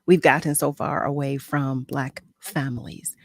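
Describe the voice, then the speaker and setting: A woman's voice: extremely low pitch, steady tone, measured pace, no room sound. A woman hosting a talk show keeps pressing her guest and rephrases her questions with care. Her voice is close and dry, with no room sound. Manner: probing, careful, repeats questions. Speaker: radio talk show host. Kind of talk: casual radio interview.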